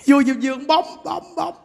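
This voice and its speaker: A man preaching a Buddhist sermon, telling animated stories and often laughing. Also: very high voice, gravelly. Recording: long hall reverb.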